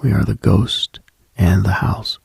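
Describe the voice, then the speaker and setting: Late night radio guy, super husky breathy voice, talks really slow, musing mystical asmr type monologue. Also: fairly low pitch, steady tone, no room sound. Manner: hushed, musing, pausing often.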